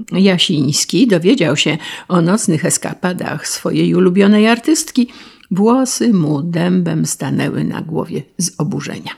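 A woman narrating a story in a measured, wry reading voice. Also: fairly low pitch, vocal fry, darkish tone, breathy edge.

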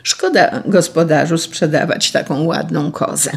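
A sly village thief, as a storyteller puts him on, wheedling and mocking in a gravelly voice. He sounds a little raised and husky, as in a told folk tale. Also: mid-range voice, measured pace. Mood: sly teasing.

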